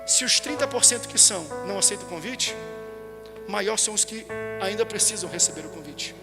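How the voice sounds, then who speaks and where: A man's voice: high voice, expressive, a little fast, big-room sound, loud music behind the voice. A man with a Brazilian Portuguese accent, a pastor telling a story and preaching a sermon that builds to impassioned peaks. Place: large church hall.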